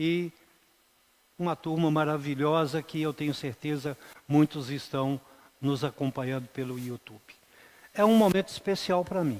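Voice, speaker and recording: At a moderate pace, a man with a fairly high voice and ordinary pitch variation speaks with long, frequent pauses. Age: 60s. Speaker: pastor. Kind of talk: sermon. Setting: church.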